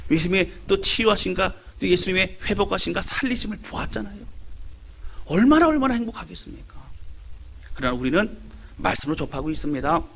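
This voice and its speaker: Gravelly high-voiced male pastor preaching. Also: fairly bright tone, a little hiss or hum. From Seoul, Korea. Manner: emphatic, addressing the congregation directly. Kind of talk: sermon.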